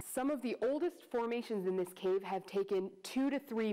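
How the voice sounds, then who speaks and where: In a very clean recording with a silent background, a woman with an American accent and an ordinary speaking voice talks at a moderate pace, her fairly high pitch moving in a lively way. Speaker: TV news anchor and reporter. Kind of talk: TV news read.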